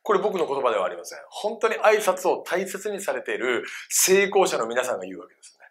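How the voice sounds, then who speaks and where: A man leads a live seminar, speaking to a room of adult listeners. His delivery is playful and he keeps turning questions back to the crowd. His voice is bright and forceful, and his pitch swings widely from phrase to phrase. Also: quick pace. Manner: animated, playful, quizzes the audience. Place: seminar room with a live audience of about twenty or thirty adults.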